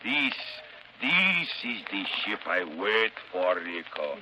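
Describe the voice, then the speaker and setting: An actor playing a ruthless pirate captain with a Hispanic accent, gravelly and mockingly polite in broken English, in 1930s radio style. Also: male voice, lowish voice, sing-song, slow, pushed and bright, full character voice. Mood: sly, menacing. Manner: broken English, sly chuckling menace. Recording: dull, hissy old 1930s radio recording.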